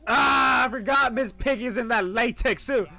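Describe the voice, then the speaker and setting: A man doing excited, playful reaction commentary in casual slang, often exclaiming and shouting as a streamer. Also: very high-pitched, moderate pace. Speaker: VTuber streamer reacting to an animation. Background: music and video audio.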